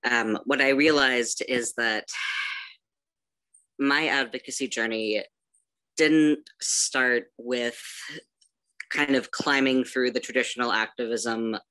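Bright-voiced young man, thoughtful and hesitant. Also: mid-range voice, steady tone, clean tone, poor audio. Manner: thoughtful, hesitant, with pauses and "kind of". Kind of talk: reflective panel talk. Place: home room, yellow wall.

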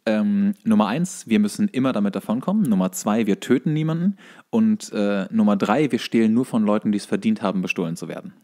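A man's voice: fairly low pitch, brisk, a little mellow. A man chatting casually as a podcast host, in a joking, self-deprecating way.

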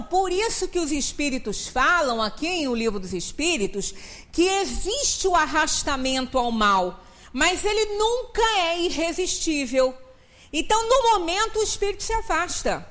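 Uma mulher de meia-idade, do Brasil, dá uma palestra espírita numa sala pequena, explicando com ênfase e perguntando "né?" com frequência. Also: female voice, sits high, a bit bright. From Brazil. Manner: explanatory, emphatic, often adds "né?". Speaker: spiritist lecturer. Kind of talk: lecture at a spiritist center. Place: small meeting room, indoors.

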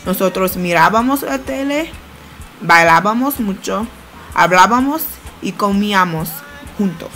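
A woman's voice: medium pitch, lively intonation, unhurried, a bit bright, faint music behind. Young woman reading a study-abroad voice-over. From United States. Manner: plain, careful learner's delivery. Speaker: student narrating a study-abroad video. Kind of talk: read-aloud voice-over narration.

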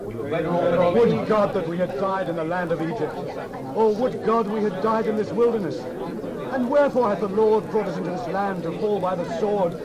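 A man's voice: sits high, normal speed, natural voice, poor audio. A man playing a bitter, complaining ancient Israelite in a dramatized scripture reading, wailing and aggrieved. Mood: bitter despair. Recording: loud crowd behind.

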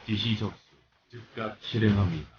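A male game unit answering orders in brisk, clipped phrases. His low voice is run through a robotic radio filter. The audio sounds dull and lo-fi. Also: very noisy. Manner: clipped, flat order acknowledgements.

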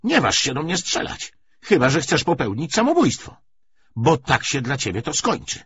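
A man's voice: on the high side, very animated, normal speed, dry recording, voice pushed up, heavily acted. Male narrator as defiant woman, threatening, insistent, sardonic, swooping intonation, dull audiobook recording. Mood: fierce, threatening. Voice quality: hoarse, strained half-shout. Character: defiant, threatening woman bargaining hard for money.

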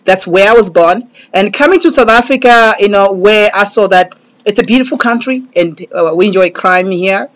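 A man's voice: high-pitched, normal speed, fairly bright tone, low-quality recording. A man in his thirties from Malawi, a comedian telling jokes as a guest in a radio studio interview, on a studio mic. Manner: joking storyteller, laughs often.

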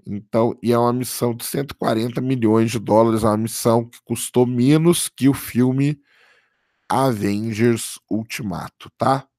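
A man, hoarse from a cold, casually commenting on a live stream and answering viewer chat, often checking in with "tá?". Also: mid-range voice, fairly even intonation, normal speed, darkish tone, no room sound, studio quality. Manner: casual, keeps adding "tá?" for confirmation. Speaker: livestream host.

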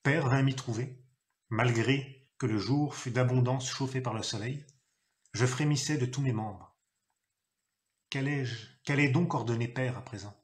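A man reading a novel aloud, telling it expressively and acting out a gruff father's shouted lines. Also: medium pitch, measured pace. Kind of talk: literary reading.

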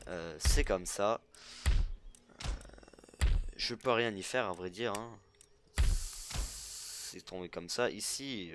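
Guy doing a chill let's play, lots of euh and restarts, lowish voice, faint hiss. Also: a bit bright. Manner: hesitant, full of euh fillers. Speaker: gaming YouTuber. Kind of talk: casual let's play commentary.

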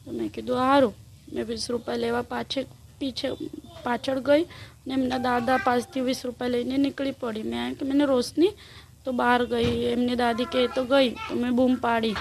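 Tearful mother, gravelly voice. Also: a little high, flat delivery, moderate pace, a little hiss or hum. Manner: quiet, tearful retelling. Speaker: grieving mother. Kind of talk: interview recollection.

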